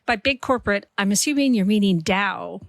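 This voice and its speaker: A woman's voice: mid-range voice, brisk, creaky, dry recording, clean studio sound. A woman hosting a podcast interview, chatty and enthusiastic. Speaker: podcast host.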